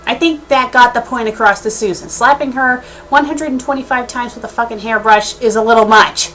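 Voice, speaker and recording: A woman's voice: fairly high pitch, brisk, a bit bright, faint music behind, rough recording. A woman giving a casual video message as an online critic, speaking in an emphatic, indignant way. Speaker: online fan fiction critic.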